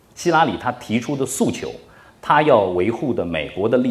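Audible room echo surrounds a man speaking at a fairly slow pace. His voice has vocal fry and very wide pitch swings. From Yunnan, China (Kunming). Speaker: TV news host giving a public talk. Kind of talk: public talk. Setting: stage with audience.

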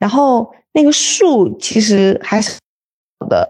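The voice is somewhat breathy, with a dark, mellow tone. Its intonation is lively. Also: woman. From Anhui, China. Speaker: guest. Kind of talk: casual interview chat.

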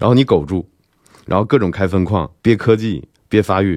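In a dry, close sound with no echo, a man talks at a middling speed. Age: 30s. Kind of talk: casual monologue.

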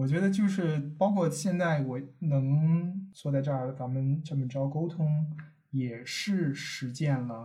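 A man's dark, mellow voice is somewhat breathy, with ordinary pitch variation. Audible room echo can be heard. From Beijing, raised abroad from age 12. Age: 30s. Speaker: early retiree. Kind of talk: interview conversation.

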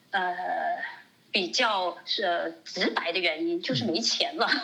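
A woman's pitch rises and falls very widely, with noticeable noise in the background. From Jiangxi, China (small city). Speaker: foreign trade businesswoman. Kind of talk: interview conversation.

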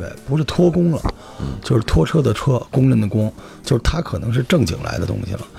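Noticeable background noise sits behind a man of medium pitch. He talks at a fairly quick pace with very wide pitch swings. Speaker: podcast co-host. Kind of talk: casual chat.

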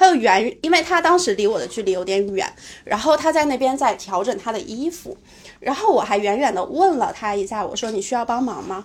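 Amid noticeable background noise, a woman speaks at a high pitch and fairly quick pace with very wide pitch swings. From Jilin, northeast China. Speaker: listener. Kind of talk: casual chat. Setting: live audience event.

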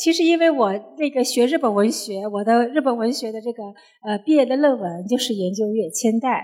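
A woman's fairly high voice with a Hunan accent, lively intonation and a fairly quick pace. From Changsha, Hunan, China. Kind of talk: book talk at live event. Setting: bookstore event with audience.

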